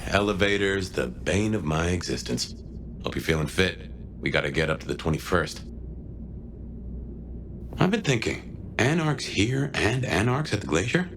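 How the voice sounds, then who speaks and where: A man's voice: low voice, very animated, normal speed, long pauses, noisy background. An actor playing a world-weary, streetwise male companion in a video game, dry, sardonic and casual. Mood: dry, wry.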